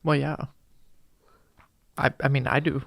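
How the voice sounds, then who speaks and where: Young woman with a gravelly voice. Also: rumbling low, little pitch movement, unhurried, no echo, studio quality. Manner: laughs often, lots of fillers, unbothered. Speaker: podcast co-host. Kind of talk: casual chat.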